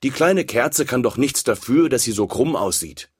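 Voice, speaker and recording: A man voicing a big, wise white candle in a storybook, speaking earnestly and raising his pitch. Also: animated, normal speed, slightly rough, no echo, studio quality. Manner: earnest, admonishing.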